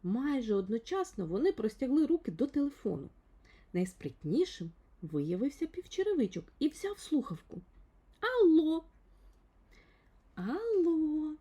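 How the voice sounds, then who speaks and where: Mellow, animated woman storyteller. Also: on the high side, moderate pace, breathy edge. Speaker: storyteller for children. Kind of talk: expressive scripted fairy-tale narration.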